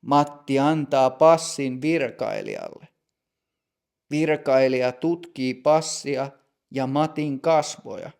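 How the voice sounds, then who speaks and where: A man narrating a simple story in a slow, measured way for language learners. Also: medium pitch, sing-song, darkish tone. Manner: clear, measured.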